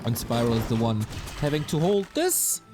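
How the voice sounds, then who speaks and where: A man casting an esports match play by play, his voice a little raspy, breaking into quick bursts of excitement at big plays. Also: mid-range voice. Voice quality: slightly raspy. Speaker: esports caster. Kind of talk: play-by-play game commentary. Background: game music.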